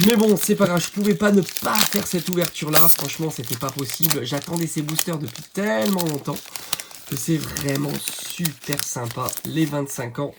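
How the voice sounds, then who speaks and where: A man with a hoarse voice from a cold, chatting casually as he opens trading card packs for his channel. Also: a little high, normal speed, noisy background. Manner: chatty, many fillers, excited at good pulls. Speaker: channel host. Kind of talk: card unboxing commentary.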